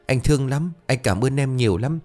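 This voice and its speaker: A man's voice: medium pitch, expressive, brisk, darkish tone, soft background music, pitched above the performer's own voice, close to an everyday voice. A man doing a flustered bumbling young husband. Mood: sheepish. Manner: flustered and blustering.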